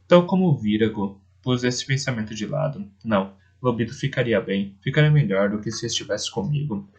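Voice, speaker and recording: A man narrating an audiobook in the first person, with a steady, earnest reading. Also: lowish voice, fairly quick, breathy edge. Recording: dull lo-fi recording.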